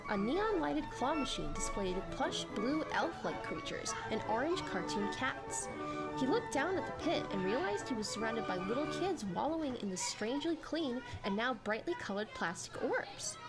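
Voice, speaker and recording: A woman reading a story aloud as a dramatic, expressive, animated narrator. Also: on the high side, moderate pace, poor audio. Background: background music.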